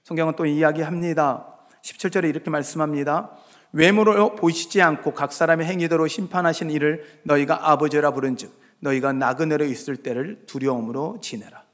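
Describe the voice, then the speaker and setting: A male pastor giving a sermon, moving between hushed asides and loud, emphatic exhortation, now and then acting out his listeners in dialogue. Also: on the high side, brisk. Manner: acts out congregants' voices in dialogue. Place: church sanctuary. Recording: long reverb of a church sanctuary.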